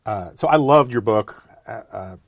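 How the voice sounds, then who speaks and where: A man hosting a podcast, chatty and relaxed with many fillers. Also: lowish voice, moderate pace, creaky, no echo. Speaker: podcast host. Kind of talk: casual podcast interview.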